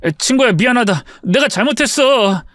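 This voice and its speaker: Acted by a man, a cornered male swindler pleads and stammers, his voice pushed high above a plain reading tone. The delivery is close and dry, with no room sound around it. It is dramatized story narration. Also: lively intonation, moderate pace, a bit bright, no room sound. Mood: apologetic. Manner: begging, stammering. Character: scheming male friend caught out, pleading. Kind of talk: storytelling voice acting.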